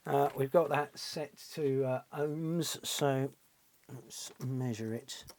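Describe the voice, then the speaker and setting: A middle-aged British man with a mid-pitched voice talks through hands-on repair work in a casual way. He muses to himself as he goes, often turning remarks into little questions. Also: slow, a little mellow. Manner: musing, thinking aloud with tag questions. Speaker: repair channel host, electronics technician. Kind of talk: casual hands-on workbench commentary. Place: small cluttered indoor electronics workshop.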